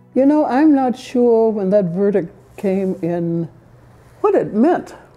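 Music plays in the background as a woman speaks at a very slow pace. Her fairly high voice has very wide pitch swings. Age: 80s+. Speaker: civil rights leader. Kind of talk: interview answer.

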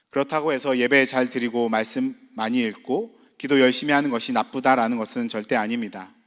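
The recording is very clean with a silent background. A man talks at a moderate pace in an ordinary speaking voice, with fairly even intonation. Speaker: preacher. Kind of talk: sermon. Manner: formal.

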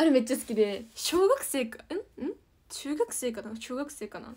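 A woman speaks with a high pitch and very wide pitch swings. Her pace is fairly slow. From Kansai, Japan; Japan. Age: young. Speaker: idol livestreamer. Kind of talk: casual livestream chat with viewers. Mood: cheerful, laughing. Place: home room. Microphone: phone near.

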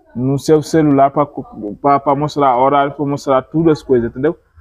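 At a moderate pace, a man with a fairly high voice speaks in fairly even intonation. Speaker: store owner. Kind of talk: sales pitch. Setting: shop. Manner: repetitive, with 'entendeu?' and 'tá?' after nearly every point. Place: shop. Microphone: phone near.

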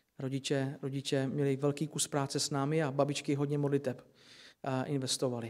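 A man speaks at a fairly quick pace in a fairly high voice. His intonation is monotone and flat, with a quiet background. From Czech community in Banat, Romania; Romania. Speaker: pastor; preacher giving testimony. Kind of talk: testimony. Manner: halting, with many repetitions. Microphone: podium.

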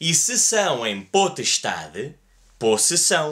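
Against a quiet background, a man with a bright, sharp tone and vocal fry swings his pitch very widely. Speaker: language educator. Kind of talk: lecture. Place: home room.

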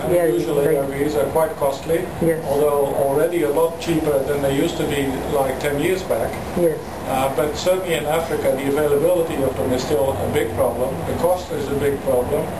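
Loud background noise behind a man speaking at a moderate pace. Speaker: interviewee. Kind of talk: interview answer.

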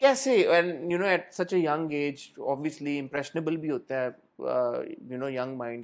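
A man with a fairly high pitch, a fairly slow pace and lively intonation. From Punjab, Pakistan. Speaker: interviewer. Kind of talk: interview. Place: studio. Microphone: lapel.

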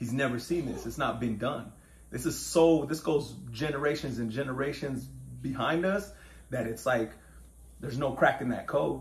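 A man with an American accent and vocal fry speaks at a moderate pace over light background noise. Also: medium pitch for a man, ordinary pitch variation. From Tucson, Arizona; Arizona. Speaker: podcast guest, formerly incarcerated; podcast guest. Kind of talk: casual interview chat. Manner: articulate. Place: home room. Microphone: lapel.

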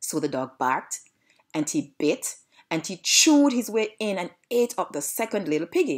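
A woman speaks at a medium pitch with vocal fry and very wide pitch swings. Her pace is moderate over a quiet background. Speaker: storyteller. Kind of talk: children's story reading. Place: home room. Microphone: webcam.

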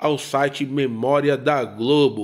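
A man with a Brazilian accent speaks in a very clean recording with a silent background. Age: 30s. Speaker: YouTuber. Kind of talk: casual commentary to viewers; reading aloud news article.

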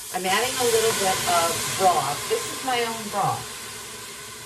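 A woman's voice with noticeable background noise. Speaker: cooking channel host and health coach. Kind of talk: cooking tutorial. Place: kitchen. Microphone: camera far.

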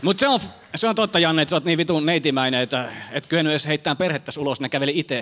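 This man sounds nervous, talking at a very fast pace with ordinary pitch variation and very even loudness. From Tampere, Finland. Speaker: stand-up comedian performing at a roast. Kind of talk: stand-up roast comedy, crude insult jokes. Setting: stage with live audience. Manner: nervous at the start, coughing between jokes. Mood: mocking, crude humor. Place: stage. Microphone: handheld.

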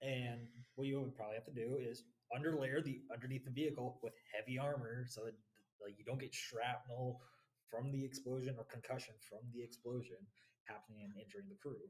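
This man has an unremarkable speaking voice at a medium pitch. He moves at a fairly quick pace with fairly even intonation. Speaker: student podcast co-host. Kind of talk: casual chat. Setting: livestream.

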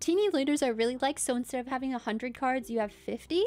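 Over faint background music, a woman speaks at a high pitch. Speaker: streamer. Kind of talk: casual vlog chat. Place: home room. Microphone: studio mic.

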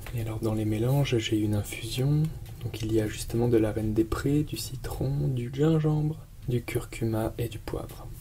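A soft-spoken man with a medium-pitched voice talks in a calm, gentle tone at a moderate pace, with ordinary pitch variation and light background noise. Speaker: ASMR relaxation video creator and tiny house dweller. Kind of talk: ASMR relaxation talk to camera, guided evening. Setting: binaural headset microphone recording at home. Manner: soft-spoken, calm, gentle. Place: home room. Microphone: phone near.

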